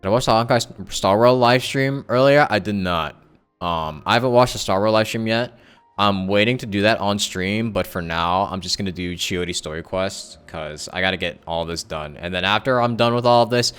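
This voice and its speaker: Background music runs under this man's casual livestream chat with viewers. His voice is on the low side, a bit bright, clear and resonant, at a normal speed, and as a streamer and content creator he rambles, thinking aloud and correcting himself.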